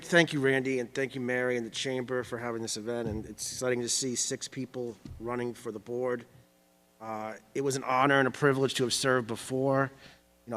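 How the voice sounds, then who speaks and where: A man's voice: medium pitch, fairly bright tone. A man giving a conversational closing statement as a candidate, often repeating phrases as he addresses a forum. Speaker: candidate and former board member. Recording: echoey hall with long reverb.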